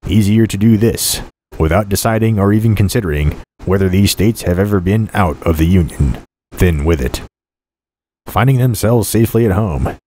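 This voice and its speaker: A man reads a historical political speech aloud as formal oratory, with measured, deliberate phrasing. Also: sits low, dark tone.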